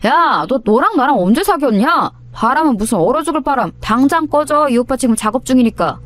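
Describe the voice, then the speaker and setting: A woman voicing a menacing teenage boy bully who talks in a rough, threatening way. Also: high voice, animated, fairly quick, no room sound, pitched above the performer's own voice.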